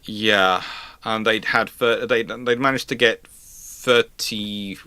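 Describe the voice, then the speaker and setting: Male live-stream host, bright forward voice, stammering explainer who often rephrases, close dry sound. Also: fairly low pitch, fairly even intonation, smooth, no room sound. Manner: halting, stammering, circles back to rephrase. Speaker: host answering audience questions. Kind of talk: live question-and-answer talk on military history and current affairs.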